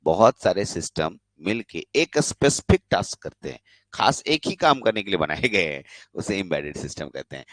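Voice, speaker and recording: A young polytechnic teacher with a Bihari Hindi accent runs a live online class, mixing English terms into his Hindi and often asking whether students are following. His voice is deep and lively in intonation, at a moderate pace, recorded dry.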